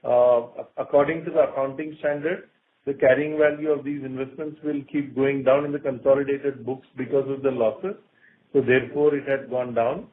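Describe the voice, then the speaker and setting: A man's voice: medium pitch, steady tone, normal speed. Indian man explaining over thin phone audio. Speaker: company finance executive answering investor questions. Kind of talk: earnings call answer, unscripted explanation. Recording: thin, noisy conference phone line.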